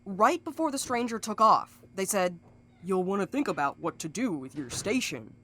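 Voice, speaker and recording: Blunt female courier played by an actress, sharp bright tone, very animated, sardonic, for a fiction podcast. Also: mid-range voice, normal speed. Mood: urgent. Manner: blunt, sarcastic. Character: blunt, sardonic woman courier with an impatient streak. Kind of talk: scripted audio drama acting.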